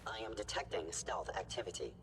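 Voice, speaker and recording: A man voicing a cold, suspicious security robot in a video game, heard through a robotic voice filter, speaking in clipped, flat announcements. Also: fairly low pitch, brisk. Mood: wary. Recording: game audio under a stream with background noise.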